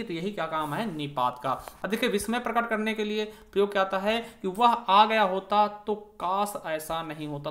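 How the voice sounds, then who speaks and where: A man teaching an exam-prep grammar lesson. He explains step by step, keeps checking in with the listener, and slows down to stress each example word. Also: sits high, fairly bright tone. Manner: stresses example words and slows down over them.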